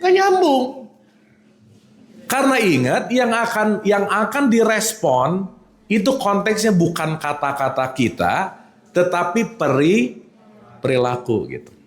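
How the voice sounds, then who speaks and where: A man delivers a relaxed religious lesson, his voice swinging widely up and down as he teases and checks on his listeners. He sits slightly high for a man. The room adds a clear echo. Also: measured pace. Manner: animated, teasing, checks in with the audience. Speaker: religious teacher. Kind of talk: casual religious lecture.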